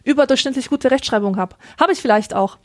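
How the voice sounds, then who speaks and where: A woman's voice: high-pitched, fast talker, no echo, clean studio sound. A young woman, co-hosting a podcast, talking in a thoughtful, reflective way. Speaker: podcast co-host, author. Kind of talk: casual chat.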